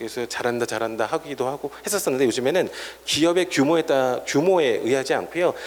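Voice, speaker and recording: Through noticeable background noise, a man talks at a very fast pace with very wide pitch swings. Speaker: forum presenter on corporate social responsibility. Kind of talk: forum presentation.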